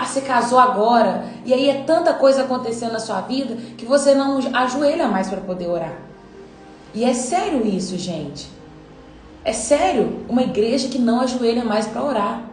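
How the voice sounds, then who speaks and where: A woman's voice: a little high, darkish tone, echoey room, poor audio. A woman giving an earnest devotional Bible teaching, acting out quoted voices as she preaches.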